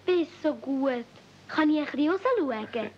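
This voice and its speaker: A woman's voice: sits high, expressive, a little slow. A woman with a Swiss accent playing an innocent, eager little mountain girl in a 1970s radio play, artless and polite. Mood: curious, pleading. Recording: dull, faintly noisy old cassette recording.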